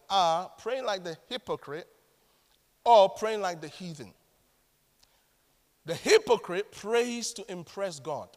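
A man with a Ghanaian accent preaching a sermon in a dramatic, animated way. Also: high-pitched, in a large hall. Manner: dramatic, animated, mimics other pray-ers.

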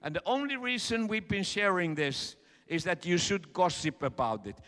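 A middle-aged man from Finland with a Finnish accent, preaching a sermon and interpreting in an earnest, halting way with many fillers. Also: sits high, big pitch swings, fairly bright tone. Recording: echoey hall.

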